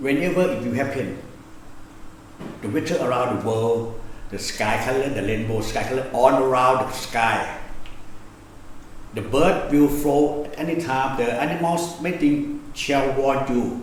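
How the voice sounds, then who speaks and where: Speaking with a Thai accent, a man of medium pitch talks at a fairly slow pace with ordinary pitch variation and long, frequent pauses. Noticeable background noise and audible room echo surround his voice. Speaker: online presenter of doomsday predictions. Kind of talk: presentation. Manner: halting.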